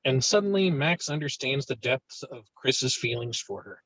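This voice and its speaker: A man's voice: medium pitch, animated, moderate pace, a bit bright, poor audio. A man reading stage directions as narrator in a virtual table read of a film script.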